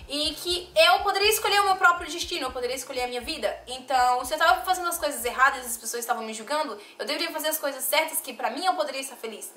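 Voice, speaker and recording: Bright, quick young Bahian woman. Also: high-pitched, echoey room. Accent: softened Bahian Portuguese. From Bahia, Brazil. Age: young adult. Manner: emotional, confiding, talks straight to viewers. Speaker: vlogger. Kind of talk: personal life story vlog.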